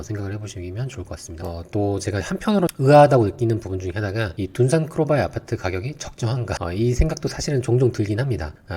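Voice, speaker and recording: Brief: male channel host with a cold, husky and low, talks viewers through the numbers. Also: mellow. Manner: walks viewers through figures step by step, giving advice. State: has a cold, strained throat. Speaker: real estate subscription advisor and channel host. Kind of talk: explanatory video lecture.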